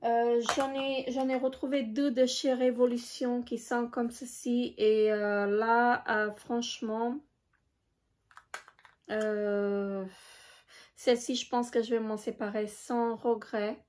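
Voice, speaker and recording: Hesitant woman vlogger, slightly high voice. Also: little pitch movement, a little mellow, a little hiss or hum. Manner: hesitant, many filler pauses. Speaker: beauty vlogger. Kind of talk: casual show-and-tell vlog.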